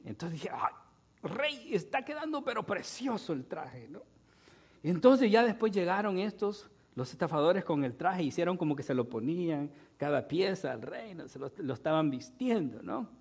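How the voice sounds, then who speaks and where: A man's voice: a little high, sing-song, moderate pace, darkish tone, slightly rough. A male pastor preaching a sermon, retelling a fable and tagging his sentences with "¿no?". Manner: storytelling with frequent "¿no?" tags.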